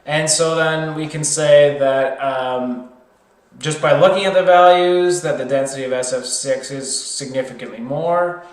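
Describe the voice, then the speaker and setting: A man's voice: fairly high pitch, unhurried, reverberant. A man working through a problem as an informal tutor, hesitant, thinking aloud and correcting himself.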